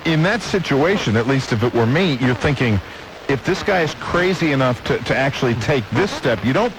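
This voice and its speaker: A man's voice: medium pitch, lively intonation, normal speed. A man co-hosting a radio talk show, chatty and opinionated, reasoning his points out aloud. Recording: noisy old radio broadcast tape.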